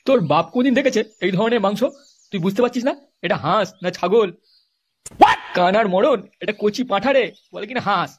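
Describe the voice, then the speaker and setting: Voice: mid-range voice, a little fast, muffled recording, a little hiss or hum, close to an everyday voice. A performer voicing a boastful, short-tempered poor husband in a comedy cartoon, foul-mouthed and insulting, with a West Bengal accent. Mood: boastful scolding. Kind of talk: amateur comedy cartoon dialogue.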